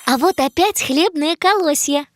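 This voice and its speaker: High voiced inquisitive kid for an educational cartoon, wide eyed, soft music behind. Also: female voice, unhurried, dry recording, clean studio sound. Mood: curious. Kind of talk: scripted educational cartoon dialogue.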